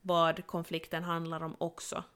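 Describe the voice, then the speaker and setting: A woman co-hosting a casual podcast, giving parenting advice calmly and reassuringly, with frequent affirming murmurs. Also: fairly low pitch, clear, resonant tone.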